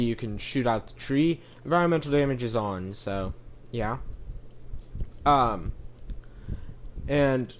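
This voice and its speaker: A young man talks through a voice changer that pulls his voice lower, walking through a game map in a loose, rambling way. He keeps hesitating and correcting himself mid-sentence. His pitch sits in an ordinary middle range under the effect, with faint background noise. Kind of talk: casual gameplay voice-over.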